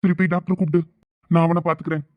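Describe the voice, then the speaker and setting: A man's voice: on the high side, little pitch movement, very fast, phone-quality sound, noisy background, lightly acted. A man voicing a worried loyal friend. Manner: urgent, pleading.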